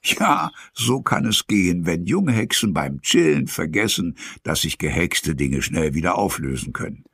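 An actor playing the narrator of a children's witch audio play, telling the story in scripted narration with a husky voice. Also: low voice, lively intonation, a little slow, hardly any pauses, fairly bright tone, no room sound, clean studio sound, full character voice. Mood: wry, explanatory.

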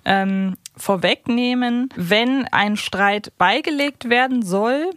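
A woman co-hosting a podcast, talking through audio dramas in a measured, reflective conversational way. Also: a little high, a bit bright, no room sound, studio quality. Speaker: podcast co-host.

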